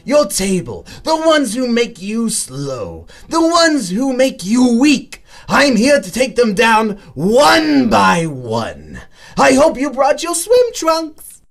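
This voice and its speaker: An actor playing a sadistic, gleeful clown supervillain in an audio drama, with a theatrical, mocking, drawn-out delivery. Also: male voice, very high-pitched, huge pitch swings, vocal fry, heavily acted. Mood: menacing taunting. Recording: music under the voice.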